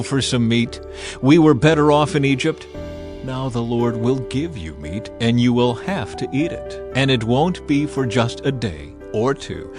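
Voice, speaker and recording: A man voicing a stern, wrathful God with a measured, authoritative delivery in a dramatized scripture reading. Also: medium pitch, natural voice. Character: God, stern, commanding, wrathful male deity.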